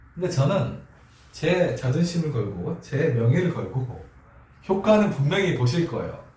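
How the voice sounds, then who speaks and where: Here a man with a fairly high pitch speaks at a fairly slow pace. His intonation is lively, and there is audible room echo. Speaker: network marketing consultant and author. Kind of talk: online lecture video.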